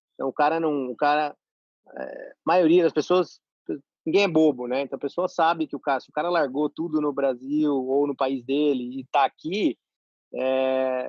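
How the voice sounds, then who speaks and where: A man with a normal speaking voice talks at a moderate pace. His pitch is fairly high and his intonation fairly even. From Brazil. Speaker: orthopedic surgeon. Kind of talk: interview.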